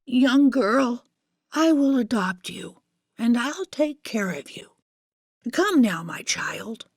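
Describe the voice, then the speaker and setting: A storyteller plays a stern old lady from a fairytale. Her voice is high and swooping, and she speaks slowly, in a prim and commanding way, as a woman acts her out. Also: big pitch swings, gravelly, breathy edge, no echo, studio quality, heavily acted. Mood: kindly.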